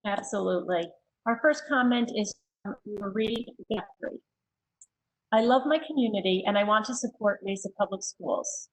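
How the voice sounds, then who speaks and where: A woman reading written public comments aloud at a school board meeting, steady and plain, with a few hesitant asides. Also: mid-range voice, moderate pace, low-quality recording.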